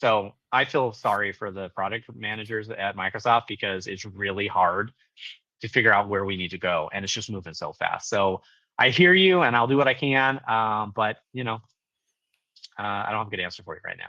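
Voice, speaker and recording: With big swings in loudness, a man talks in a fairly low voice with ordinary pitch variation. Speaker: technology consultant presenting a webinar. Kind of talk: webinar Q&A. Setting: online webinar. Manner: fast.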